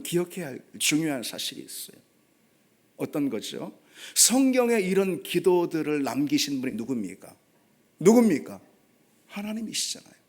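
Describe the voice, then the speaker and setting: Male pastor, sermon, highish lively voice, dramatic delivery; middle-aged. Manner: dramatic, acts out impassioned quoted prayers.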